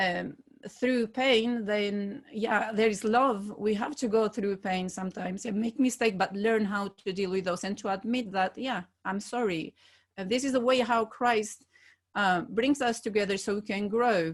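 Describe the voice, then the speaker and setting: With a non-native accent, a woman speaks at a fairly high pitch with ordinary pitch variation. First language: not English. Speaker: church member. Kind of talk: church panel discussion. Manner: halting.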